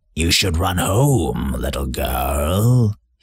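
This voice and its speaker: A man's put-on character voice, growling and raspy, at a very deep, low pitch. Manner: threatening, menacing.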